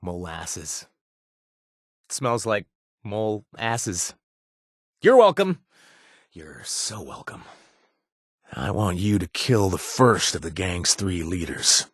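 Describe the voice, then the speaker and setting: An actor voicing a chatty, self-deprecating young ex-raider bartender in a video game, with a husky voice. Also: male voice, low voice, big pitch swings, slow, pauses often, no echo, studio quality, heavily acted. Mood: wry, chatty. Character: wisecracking male ex-raider turned bartender. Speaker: companion character.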